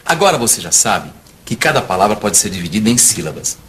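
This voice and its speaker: A man narrating a scripted grammar lesson in a clear, didactic way. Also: fairly low pitch, sing-song, quick pace, fairly bright tone, slight background noise.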